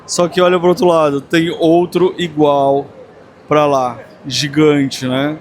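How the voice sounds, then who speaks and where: A man's voice: on the high side, flat delivery, takes it slowly. A Brazilian man hosting a casual walking vlog, speaking effusively and straight to his viewers in a busy fair. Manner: effusive, addresses viewers directly. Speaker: vlogger and host. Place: busy large craft fair. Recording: clear background noise of a busy fair.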